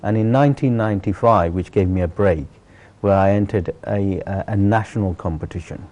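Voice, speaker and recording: In an interview, a celebrity chef from Sylhet, Bangladesh, now middle-aged, recounts his life with earnest, emphatic, repetitive phrasing. He speaks briskly in a fairly low voice with a darkish tone.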